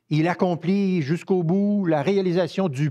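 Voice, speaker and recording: Over a quiet background, a man speaks very slowly in a dark, mellow tone. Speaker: pastor. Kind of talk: sermon. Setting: church. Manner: fervent, emphatic preaching. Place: church. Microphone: headset.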